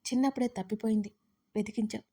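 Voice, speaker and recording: A caring middle-aged mother, anxious and coaxing as she presses for answers, played by a woman narrator. Her voice is fairly high and mellow, with a soft warmth. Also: steady tone, quick pace, breathy edge. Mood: sad. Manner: worried, coaxing questions. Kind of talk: audio story character voice.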